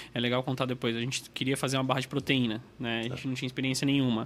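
A man speaks with a medium pitch. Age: young. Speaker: company co-founder. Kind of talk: interview.

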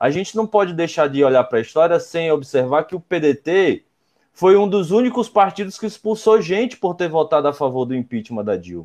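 Over a quiet background, a man speaks high-pitched at a moderate pace with lively intonation. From Maceió, Alagoas (Brazilian Northeast). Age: 20s. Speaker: youth political activist. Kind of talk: political discussion.

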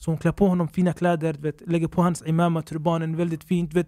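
A man talks at a very fast pace in a high voice with a dark, mellow tone. The sound is dry and close, with no echo. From Sweden, Stockholm (Tensta). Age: 20s. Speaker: podcast co-host, former Medina student. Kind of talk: casual chat.

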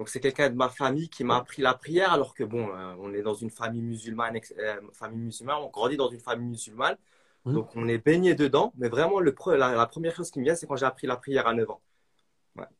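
Delivered at a very fast pace, the voice shows big swings in loudness and ordinary pitch variation, with a dry, close sound and no echo. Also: man, medium pitch for a man. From France, raised from age 5 (born in Fès, Morocco). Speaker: maths educator and aeronautics materials engineer. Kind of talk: casual interview chat.

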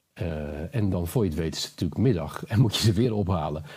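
A man talks at a fairly quick pace with a very deep, low pitch and lively intonation. His voice is somewhat breathy, with a dark, mellow tone. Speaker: podcast co-host. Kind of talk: casual chat. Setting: at home.

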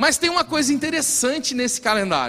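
A man speaks in a raised, projected voice at a moderate pace, with ordinary pitch variation. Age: 30s. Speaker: pastor. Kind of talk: sermon. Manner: animated.

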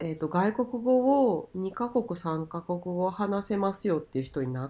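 A woman's dark, mellow voice swings very widely in pitch. The background is quiet. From Kansai, Japan. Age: 40s. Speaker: podcast co-host, working mother. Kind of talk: casual chat.

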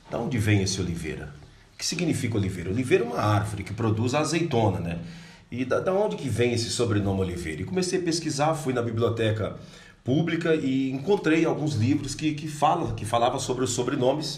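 Amid audible room echo, a man speaks at a fairly quick pace in a medium-pitched voice with vocal fry and very wide pitch swings. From Brazil. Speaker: pastor and tour guide in Israel. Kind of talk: casual interview chat. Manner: halting, frequent word repetitions.

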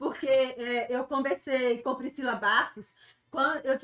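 A woman's high-pitched voice with fairly even intonation, in a Minas Gerais accent. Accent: Minas Gerais (mineiro). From Minas Gerais, Brazil. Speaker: digital influencer. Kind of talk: casual interview. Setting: radio studio.

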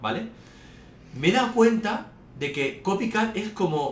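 Through audible room echo, a man speaks with a Castilian accent. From Spain (Madrid area). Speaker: music podcast co-host. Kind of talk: casual chat.

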